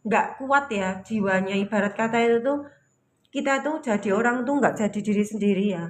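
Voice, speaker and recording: Woman, spiritual live-stream host, chatty, repeats herself, slightly high voice. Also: fairly bright tone, a little hiss or hum. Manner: repetitive, chatty, often repeats phrases; reads viewer comments aloud. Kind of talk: casual spiritual talk to viewers.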